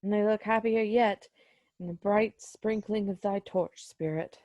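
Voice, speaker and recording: A woman's voice: mid-range voice, steady tone, unhurried, mellow, no echo, lightly acted. A woman playing a humbled, pleading old miser with an earnest, old-fashioned formal manner, in a storybook reading. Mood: reflective. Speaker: amateur reader, library staff. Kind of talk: dramatic reading of a classic story.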